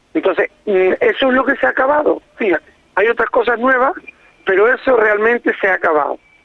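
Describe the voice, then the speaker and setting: Over noticeable background noise, a man talks with lively intonation at an extremely high pitch for a man. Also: fairly quick pace, very even loudness. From Canary Islands, Fuerteventura. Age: 40s. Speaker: opera tenor. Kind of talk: radio interview. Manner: halting, many repetitions.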